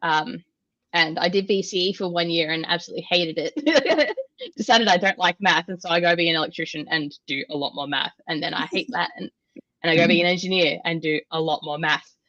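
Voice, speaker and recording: A young Australian woman, an engineer, explaining things in a relaxed, rambling way with many "um"s during an interview. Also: fairly low pitch, no echo. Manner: relaxed, explanatory, frequent "um" pauses. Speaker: guest, industrial automation engineer. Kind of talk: casual interview answers. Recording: dull lo-fi dry audio.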